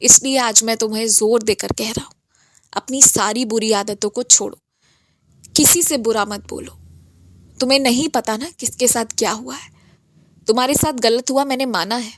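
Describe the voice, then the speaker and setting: A woman speaking in the first person as a wise male spiritual master, gently counseling and instructing a devotee in a devotional message. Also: on the high side, dry recording, studio quality, natural voice. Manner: gentle, instructive, coaxing with a tag "na".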